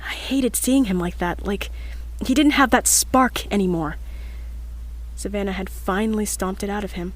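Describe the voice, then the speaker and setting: A woman's voice: medium pitch, moderate pace, natural voice, poor audio. A woman playing an earnest, determined young scientist in an audio drama, speaking in a reflective, slightly hesitant confessional log. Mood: somber, reflective.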